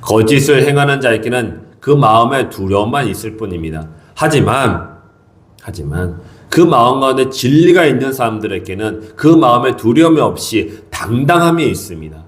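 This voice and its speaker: Middle-aged man, pastor, dawn sermon; earnest teaching tone, lively pitch movement, stresses points by repeating them. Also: normal speed. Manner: earnest, expository preaching with repeated emphasis. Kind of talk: early morning sermon.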